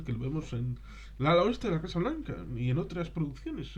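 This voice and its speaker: A man presenting unscripted film commentary in a discursive, halting way, searching for his words and tossing in rhetorical questions. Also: a little high, a little mellow.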